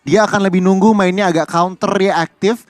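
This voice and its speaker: A man's voice: sits high, steady tone, moderate pace, slight background noise. An Indonesian man giving analytical live commentary on an esports match.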